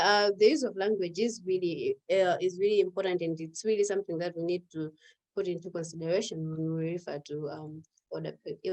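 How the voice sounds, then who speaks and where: A woman's voice: lowish voice, a little mellow, low-quality recording. Earnest young woman explaining. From Malawi. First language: Chichewa or another Malawian language. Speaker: guest activist. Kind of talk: online panel conversation.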